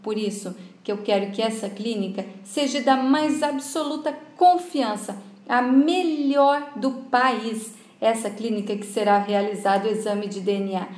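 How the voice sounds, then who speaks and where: An earnest older man, insistent and worried, as a woman narrator quotes him. The delivery stays in a higher register with a roomy echo. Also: measured pace, a little mellow, lightly acted.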